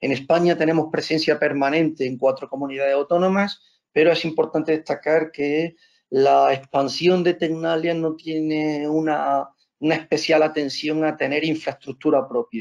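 Against a quiet background, a man with a fairly high voice speaks at a moderate pace in a monotone, flat delivery. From Spain. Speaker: research centre regional director, moderator; moderator. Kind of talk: event moderation. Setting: video call. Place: office. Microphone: video call.

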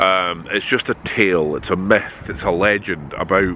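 A man with a Scottish accent talks at a fairly slow pace, the sound dry with no echo over light background noise. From Scotland. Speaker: vlogger. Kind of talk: casual talk to camera, outdoor vlog storytelling. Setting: outdoors. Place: open country. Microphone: phone near.

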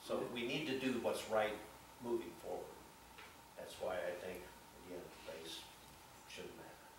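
Over noticeable background noise and audible room echo, a man speaks with long, frequent pauses and big swings in loudness. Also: moderate pace. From Oklahoma. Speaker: lawyer. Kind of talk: lecture. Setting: stage with audience. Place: hall.

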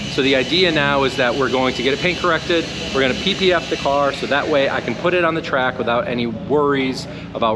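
A man speaks at a fairly quick pace with noticeable background noise behind him. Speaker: car owner vlogger. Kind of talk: casual vlog chat. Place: garage. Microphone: phone near.

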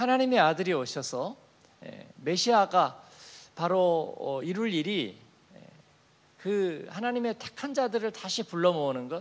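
A man at a fairly slow pace, with big swings in loudness and long, frequent pauses. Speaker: pastor. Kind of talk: sermon. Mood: warm, smiling. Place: church. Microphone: handheld.

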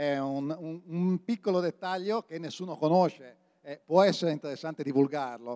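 A man speaks in a high voice with a dark, mellow tone and ordinary pitch variation against a quiet background. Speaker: presenter. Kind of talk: public talk presentation. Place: hall. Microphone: handheld.

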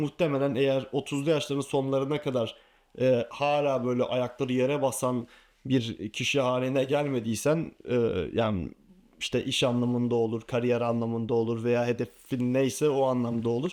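A man with a normal speaking voice talks at a moderate pace and medium pitch. His loudness stays very even and his intonation fairly even. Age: 20s. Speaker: YouTuber. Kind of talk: personal vlog monologue.

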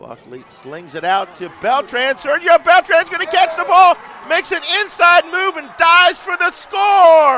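Amid noticeable background noise, a man with an extremely high pitch speaks in a raised, projected voice and an excited tone, at a fairly slow pace with big swings in loudness. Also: ordinary pitch variation. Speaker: football play-by-play announcer. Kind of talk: live sports commentary. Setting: stadium broadcast at the field. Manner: excited, rising intensity on scores.

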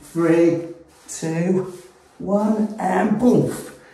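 There is light background noise and audible room echo as a man talks with ordinary pitch variation. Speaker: fitness instructor. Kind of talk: workout tutorial talk. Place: gym. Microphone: camera far.

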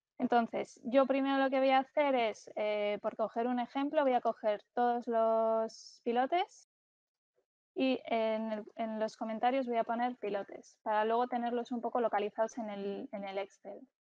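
A woman's fairly high, normal speaking voice at a fairly slow pace, with fairly even intonation, a quiet background and a dry sound with no echo. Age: 30s. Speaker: architect; interviewee. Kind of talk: interview with screen-share tutorial. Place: home room. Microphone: earbuds.

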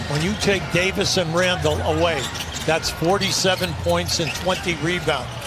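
Speech comes at a very slow pace with a dry sound and no echo, under loud background noise. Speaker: basketball TV color commentator. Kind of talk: live basketball play-by-play and color commentary. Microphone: headset.

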